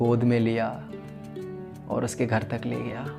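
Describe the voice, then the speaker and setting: A man's medium-pitched voice with music in the background. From India. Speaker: poet and storyteller. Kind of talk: spoken-word love story performance.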